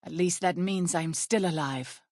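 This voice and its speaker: A woman playing an earnest, protective tribal healer in a video game, speaking in formal, measured wording. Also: lowish voice, a little mellow, no echo, clean studio sound. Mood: weary, hurting. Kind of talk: video game character voice lines.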